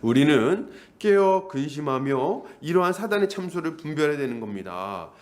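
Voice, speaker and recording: A male pastor preaching a sermon, lively and conversational, often asking the congregation questions. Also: on the high side, moderate pace. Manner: animated, acts out voices, asks the congregation questions.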